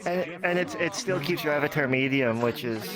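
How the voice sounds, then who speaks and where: A man's voice: fairly high pitch, fairly quick, low-quality recording. Chatty man with crowd chatter behind. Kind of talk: casual chat.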